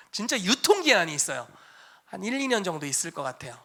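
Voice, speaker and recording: A man's voice: high voice, big pitch swings, fairly quick, creaky, sharp tone. A man preaching a sermon at a church service in a conversational, emphatic way. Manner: conversational and emphatic, acting out quotes. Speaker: pastor.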